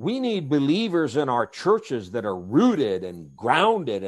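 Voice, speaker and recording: The man talks at a fairly slow pace with very wide swings in pitch. The background is quiet. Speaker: preacher. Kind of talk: sermon. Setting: church.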